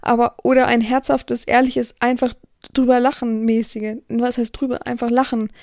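Woman podcast host, high voice with vocal fry, dry close sound, rambling talk. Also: little pitch movement, normal speed, darkish tone, no room sound. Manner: rambling, self-correcting, acts out quoted speech. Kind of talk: casual spoken monologue. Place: indoor room with an air filter running. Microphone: close studio-style mic, audio only.

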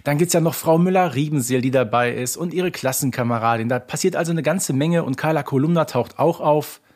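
Higher-voiced man, wry podcast co-host. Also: a little fast, darkish tone. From Germany. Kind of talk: casual podcast chat.

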